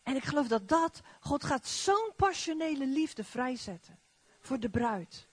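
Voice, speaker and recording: A middle-aged woman preaching a lively charismatic sermon, exclamatory and repeating her phrases. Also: sits high, a little slow, no room sound. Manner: animated, exclamatory, repetitive phrasing.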